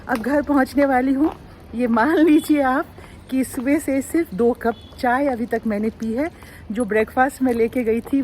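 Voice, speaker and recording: High-voiced woman vlogging, some background noise. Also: darkish tone, rough recording. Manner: chatty, explanatory. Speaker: vlogger and radio broadcaster. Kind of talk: casual daily vlog narration.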